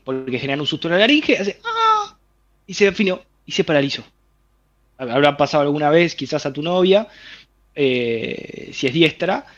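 Man, Rioplatense accent, fairly high voice, muffled lo-fi sound, lively explanatory interview talk. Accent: Rioplatense Spanish. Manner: explains with vivid hypothetical scenarios, addresses listener directly. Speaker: interviewee explaining a health theory.

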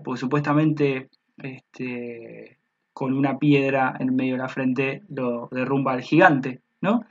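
A man, the host, explaining in a casual way and checking in with the listener. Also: a little high. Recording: dull lo-fi audio.

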